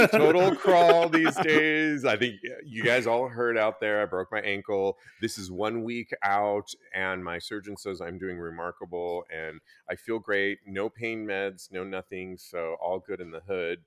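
Man, lowish voice, podcast host, effusive, emphatic, casual chat. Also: steady tone, a little slow, hardly any pauses, a bit bright, clear, resonant tone.

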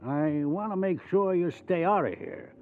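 A thin, slightly noisy old radio recording. a fatherly aging jailbird with a fairly high voice, speaking earnestly and haltingly, with wistful regret. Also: expressive, narrow, tinny audio. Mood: earnest, pleading. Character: kindly older male convict, a forger, fatherly. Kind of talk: 1940s radio acting.

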